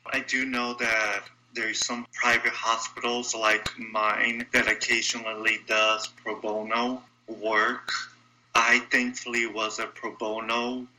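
A man's voice: mid-range voice, little pitch movement, slow, sharp tone, a little hiss or hum, low-quality recording. A man from Brazil with a Brazilian Portuguese accent, whose first language is Portuguese, speaks as a radio show guest, earnest and candid with a wry edge. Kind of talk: casual interview talk.

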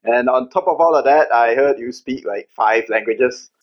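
A man's voice: medium pitch, normal speed, lo-fi sound. A man hosting a podcast, asking the guest questions over a remote link, with hesitant restarts. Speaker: podcast host. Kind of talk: casual interview questions. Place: virtual studio.

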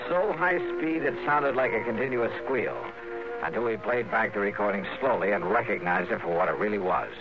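Johnny Dollar, gravelly radio investigator. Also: male voice, lowish voice, expressive, a little fast. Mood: terse narrating. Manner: clipped, decisive. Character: tough, urgent male investigator hero of a radio serial. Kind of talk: 1950s radio drama acting and narration. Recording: dull vintage radio broadcast with music.

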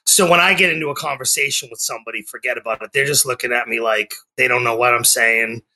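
A man's voice: medium pitch, steady tone, fast, sharp tone, poor audio. A man in his forties with a Boston-area accent, a life coach chatting as a guest on a remote call, rambling with many ums and restarts. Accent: Boston area, non-rhotic. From Massachusetts, US. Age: 40s. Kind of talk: casual interview chat.

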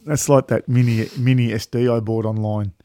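A man's voice: mid-range voice, steady tone, normal speed, dark tone, dry recording, clean studio sound. A man with an Australian accent chatting casually as a podcast host, telling anecdotes in a blokey, laid-back, sweary way.

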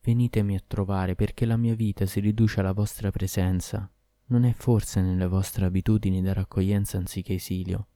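A man's voice: low-pitched, fairly even intonation, fairly quick, dark tone, no echo, clean studio sound. A man voicing a passionate, cruel sorceress queen in a storybook reading, lamenting and pleading. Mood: lovesick lament.

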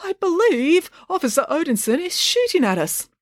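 A woman's voice: very high voice, very animated, normal speed, dry recording, studio quality, pitched above the performer's own voice. A woman voicing a flustered, alarmed father in a storybook, urgent and exclaiming. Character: flustered, alarmed father trying to keep children safe.

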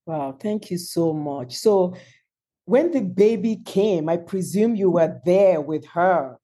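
A woman hosts a podcast interview, asking her guest questions very slowly and gently. Her voice sits low, with a soft, mellow tone. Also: lively intonation. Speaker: podcast host.

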